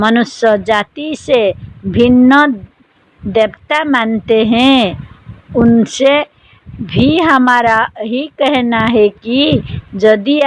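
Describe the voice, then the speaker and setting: A normal speaking voice from a woman, pitched fairly high, its pitch variation ordinary. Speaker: spiritual discourse reader. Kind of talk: spiritual discourse reading.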